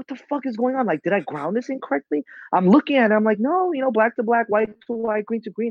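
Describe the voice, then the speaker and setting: At a fairly quick pace, a man talks in a high voice. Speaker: electrical contractor. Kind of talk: interview. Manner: fast.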